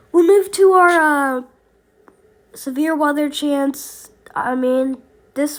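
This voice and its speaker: A woman giving a casual storm update as an amateur weather forecaster, rambling and hesitant with many fillers, while she has a cold. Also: on the high side.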